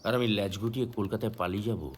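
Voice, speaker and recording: An actor playing a calm investigator who questions suspects with pointed remarks. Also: male voice, lowish voice, quick pace, lightly acted. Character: calm, probing investigator's friend. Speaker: detective's companion questioning suspects in a film. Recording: film scene with faint ambient noise.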